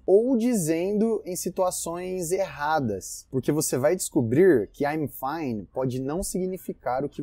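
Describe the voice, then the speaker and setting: A man with a Brazilian Portuguese accent teaches English in a casual video lesson, talking straight to his viewers. His voice is warm and mellow, recorded dry and close. He acts out short example dialogues in a lively way. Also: fairly high pitch, slightly rough, no room sound.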